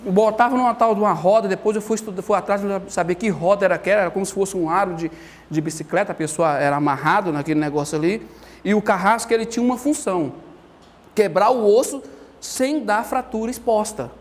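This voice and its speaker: A man with a fairly high voice teaches Bible doctrine with a Brazilian Portuguese accent. He talks in an animated, storytelling way and acts out the quotes as he goes. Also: fast. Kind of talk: lively church teaching talk.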